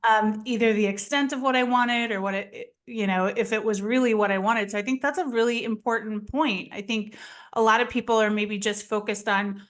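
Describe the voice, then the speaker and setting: A woman's voice: on the high side, steady tone, brisk. A woman hosting an interview show, upbeat and chatty, asking questions with enthusiasm. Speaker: podcast host.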